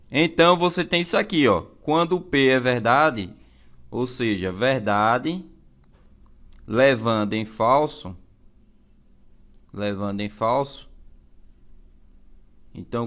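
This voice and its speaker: Male teacher, Brazilian accent, mid-pitched voice, step-by-step explanations, repeated key phrases, frequent check-ins. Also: a bit bright. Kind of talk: explanatory exam-prep lesson.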